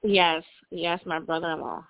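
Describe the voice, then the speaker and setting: Woman caller, lowish voice, hesitant and unsure; phone-line audio. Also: steady tone, normal speed, creaky.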